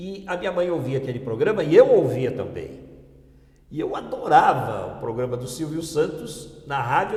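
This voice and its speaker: Pitch swinging very widely, a man speaks at a fairly slow pace with audible room echo and noticeable background noise. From Brazil, São Paulo city. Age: 60s. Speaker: radio journalist. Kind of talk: interview testimony. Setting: at home.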